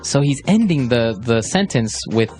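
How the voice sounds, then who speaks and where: A man's voice: medium pitch, very animated, normal speed, darkish tone, faint music behind. A man co-hosting an English lesson podcast, leading segments and affirming his partner. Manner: leads segments, affirms often. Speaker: co-host, English teacher. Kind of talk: language lesson podcast chat.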